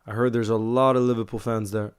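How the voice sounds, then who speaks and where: A man's voice: lowish voice, level tone, a little fast, smooth. Hyped young man chatting with viewers. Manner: hyped, calls viewers bro, many you-knows. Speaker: livestream host reading fan chat. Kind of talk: casual watchalong chat.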